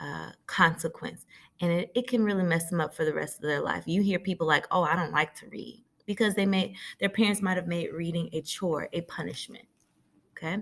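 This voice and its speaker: With vocal fry and a fairly low pitch, a woman talks at a fairly quick pace with ordinary pitch variation in a very clean recording with a silent background. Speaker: teacher. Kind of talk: tutorial. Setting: school building. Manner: projected teacher voice.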